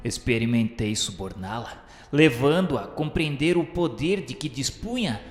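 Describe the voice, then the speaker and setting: A man's voice: medium pitch, lively intonation, measured pace, natural voice. A Brazilian man playing an embittered, obsessive inquisitor, narrating his past in a solemn, literary, theatrical radio drama style. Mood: tormented passion. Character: embittered, obsessive inquisitor recalling forbidden love and rivalry. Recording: echoey hall reverb, music behind. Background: music.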